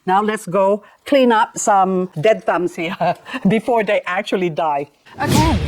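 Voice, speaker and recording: A gardening vlogger, a middle-aged woman who grew up in the Philippines, chats away while repotting and tidying her succulents for a casual vlog. Her voice sits at medium pitch, and the recording quality is low. She's playful and talkative, often poking fun at herself.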